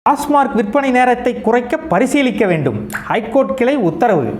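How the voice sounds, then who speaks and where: A man with a very high, bouncing voice reads out the news like an anchor, then slips into teasing, sarcastic one-liners. Faint noise sits under his talk. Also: big pitch swings, normal speed, a little mellow. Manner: reads headlines, then mocks them with sarcastic asides. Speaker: comedy news host. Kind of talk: satirical news reading with quips.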